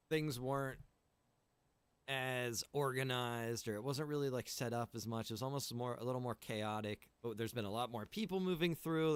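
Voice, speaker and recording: A man's voice: medium pitch, smooth, no room sound. A man chatting casually on a game livestream, explaining things in a rambling, informal way as he addresses his viewers. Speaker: game livestreamer and roleplay server organizer.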